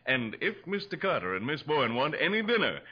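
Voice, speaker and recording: Very bright, theatrical radio gentleman. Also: fairly high pitch, very animated, a little fast. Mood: mock solemn. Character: theatrical gentleman financier, playful club member. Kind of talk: 1940s radio drama acting. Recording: dull old 1940s radio recording.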